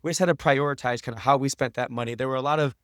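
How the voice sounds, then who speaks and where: A man's voice: medium pitch, racing, no echo, clean studio sound. A man talking casually and earnestly as a guest in an interview, often adding "you know" and "like". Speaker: podcast guest, professor and documentary maker. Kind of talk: casual conversational interview answers.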